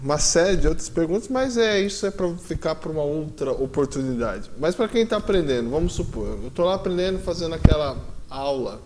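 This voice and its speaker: A man hosting a TV interview, asking long questions with pauses and rephrasing. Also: a little high, lively intonation, darkish tone, a little hiss or hum. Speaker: TV host.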